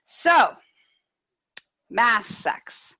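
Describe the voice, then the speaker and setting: A woman host telling stories in a casual, candid, animated way, with playful emphasis and repetition. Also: on the high side, very slow. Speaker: host of a personal sex-life show. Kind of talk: casual chatty storytelling. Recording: roomy echo, slightly dull sound.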